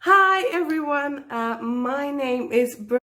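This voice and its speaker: Woman, kinda high voice, chatty teacher with lots of ums. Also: expressive, slow pace, bright, forceful tone. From Belgium. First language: Dutch. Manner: friendly, chatty, lots of ums and small laughs. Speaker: teacher, guest creator. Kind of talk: casual video message.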